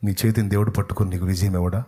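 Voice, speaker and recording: A male pastor with a Telugu accent preaching an evangelical sermon, scolding and urging his listeners, swinging between loud outbursts and hushed lines. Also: low voice, little pitch movement, rapid-fire, slightly rough.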